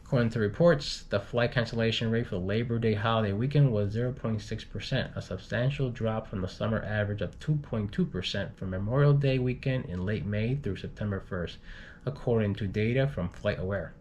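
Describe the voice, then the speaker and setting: Male news reader, lowish pitch, informal commentary, halting delivery with repeated words, background noise and rumble. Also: darkish tone. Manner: halting, stumbles and repeats words while reading. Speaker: news reader for an expat community channel. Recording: clearly noisy home recording with low rumble.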